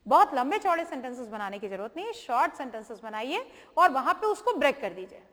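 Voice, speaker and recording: High, lively woman teaching slowly. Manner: explaining patiently, reading examples slowly with exaggerated intonation. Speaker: English grammar teacher. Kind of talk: classroom-style video lesson. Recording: long hall reverb.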